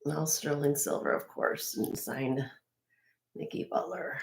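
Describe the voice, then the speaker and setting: Slightly raspy woman showing jewelry. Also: low-pitched, flat delivery, a little slow, slight background noise. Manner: chatty, admiring, with frequent fillers and restarts. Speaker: host of a live jewelry sale. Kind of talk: casual show-and-tell product presentation.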